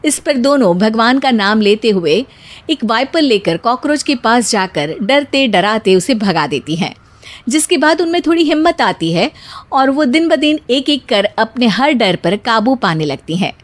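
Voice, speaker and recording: A woman giving scripted narration for a cartoon story, steady storytelling. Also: fairly high pitch, measured pace, no room sound.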